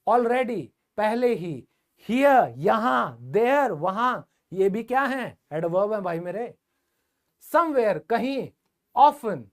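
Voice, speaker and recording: A man's voice: high-pitched, expressive, extremely slow. Male English teacher running a live grammar class, casual and joking with his students. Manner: colloquial, jokey, talks directly to students.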